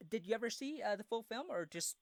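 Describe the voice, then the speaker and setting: An interviewer asking questions in an eager, halting way with many fillers. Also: medium pitch, lively intonation, dry recording.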